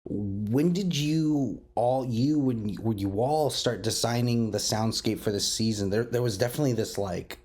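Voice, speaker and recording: A man's voice: mid-range voice, moderate pace, few pauses, darkish tone, husky. A man hosting a casual roundtable chat, talking in an effusive, rambling, enthusiastic way. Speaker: host interviewing podcast creators.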